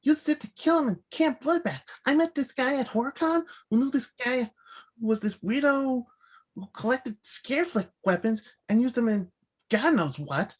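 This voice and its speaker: A woman plays an eager young horror-movie superfan in a table read. The voice is high and slightly husky, and the delivery is awkward, rambling and halting. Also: animated. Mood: eager, confiding.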